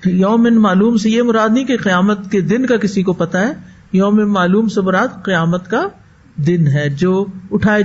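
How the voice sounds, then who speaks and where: Woman, religious teacher, rhetorical questions, slow chanted verses, dull lo-fi sound. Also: mid-range voice, a little hiss or hum. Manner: animated, asks rhetorical questions and answers them. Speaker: Quran teacher. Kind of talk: religious lecture. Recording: dull lo-fi recording.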